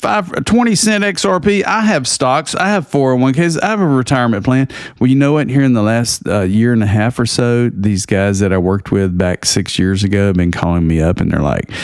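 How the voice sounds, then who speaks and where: A man with a Texan accent talks at a fairly quick pace with hardly any pauses, keeping a medium pitch with very wide pitch swings and very even loudness. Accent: Texan Southern American. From Southeast Texas, USA. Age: 60s. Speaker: crypto YouTuber. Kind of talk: casual talk to camera.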